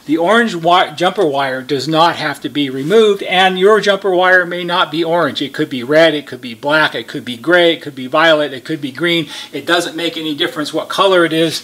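A man's voice: a little high, fairly bright tone. A middle-aged American man, a repair technician giving a methodical, explanatory step-by-step how-to demonstration.

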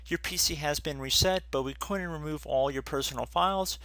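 A man's voice: fairly high pitch, a little fast, bright, forceful tone, no echo. A man narrating a screen-recorded computer tutorial, casually walking viewers through each step.

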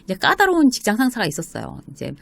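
A woman's voice: mid-range voice, huge pitch swings, fast talker, creaky, a bit bright, no echo. A middle-aged woman lecturer giving casual workplace advice, chatty with many fillers, acting out quoted lines of dialogue.

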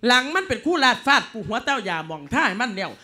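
A man doing a shrill scolding old Isan mother. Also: big pitch swings, rapid-fire, sharp tone, heavily acted. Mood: scornful. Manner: coarse, scolding, laughs while talking. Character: bossy scornful old village mother. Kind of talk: Isan sermon folk drama.

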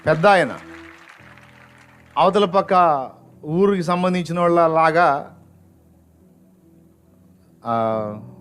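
A male pastor telling a story in his sermon, swinging between loud outbursts and hushed lows. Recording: faint background music.

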